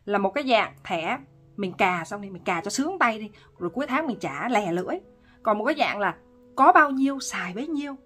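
A woman relationship counselor giving casual advice, talking with lively emphasis and frequent laughter. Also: mid-range voice, fairly quick, faint music behind.

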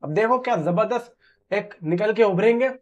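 High-voiced man, emphatic film chat. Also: normal speed. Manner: emphatic, conversational, repeats phrases for stress. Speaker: film news vlogger. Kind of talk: informal film commentary to camera. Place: small room at home, indoors. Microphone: clip-on lapel mic. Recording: slightly dull, muffled sound.

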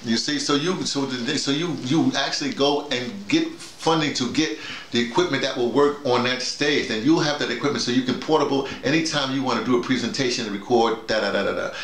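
A man's voice: mid-range voice, a little fast, hardly any pauses, fairly bright tone. A middle-aged man leading an informal discussion, making his points emphatically with repetition and acted-out examples. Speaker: audio drama workshop leader. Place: small bedroom with bare walls. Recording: roomy, echoey indoor sound.

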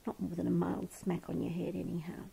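A woman who rescues and cares for bats, gently talking and often whispering to an animal as she feeds it in a home kitchen, recorded on a head-mounted camera. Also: on the low side, monotone, brisk, creaky, slightly rough. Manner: soft, coaxing, often whispering. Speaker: bat rescuer and carer. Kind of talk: gentle commentary while feeding an animal.

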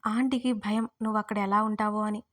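A man's voice: high-pitched, flat delivery, brisk, a bit bright. A woman voicing a caring, teasing young man who coaxes and soothes in an audio story. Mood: coaxing. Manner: coaxing, soothing.

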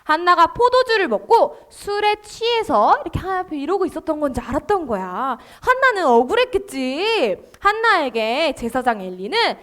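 Lively high-voiced woman preaching to small kids. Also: normal speed, hardly any pauses. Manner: storytelling, asks children questions and has them repeat. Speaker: children's pastor. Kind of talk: sermon for young children.

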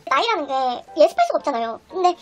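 Lively and high-voiced, a young woman mukbang vlogger talks fast as she eats on camera, chatty and excited, with frequent tasting hums between bites. She starts in a small indoor room and moves to a busy restaurant, recorded by a camera on the table with background music and restaurant chatter.

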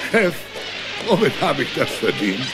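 An actor playing a long-suffering, plaintive, grumbling cartoon animal crew mate. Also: male voice, medium pitch, sing-song, a little slow. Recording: loud music underneath.

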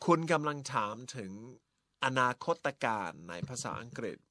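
A man teaching English on a radio show, explaining grammar in lively mixed Thai and English. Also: mid-range voice, measured pace, no room sound. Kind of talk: bilingual radio English lesson. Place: radio studio.

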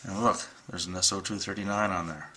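Easygoing middle-aged man with a bright tone. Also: low-pitched, brisk, slight background noise. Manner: relaxed, hesitant with many ums and restarts. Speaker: radio hobbyist demonstrating gear. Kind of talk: casual how-to video. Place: home radio room, at a table.

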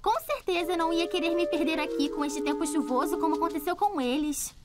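Bookish little girl explorer, very high voice, matter-of-fact, cartoon, loud music behind. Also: fairly quick. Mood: thoughtful, cautious. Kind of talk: animated cartoon dub.

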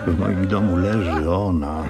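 An actor playing an anxious older Jewish innkeeper in a radio drama, pleading emphatically. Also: male voice, deep voice, steady tone, unhurried, loud music behind the voice. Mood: desperate pleading. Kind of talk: Polish radio drama acting.

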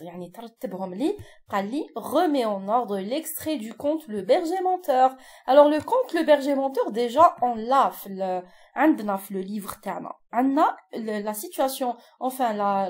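A woman's voice: a little high, a little mellow. A woman teacher with an Algerian accent, explaining a lesson patiently step by step and checking in with her students.

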